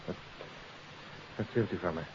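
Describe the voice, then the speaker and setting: An actor playing an evasive, nervous suspect in a 1950s radio drama, defensive and indignant. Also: male voice, moderate pace, lightly acted. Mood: agitated, indignant. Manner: defensive, agitated. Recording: muffled 1950s radio recording with hiss.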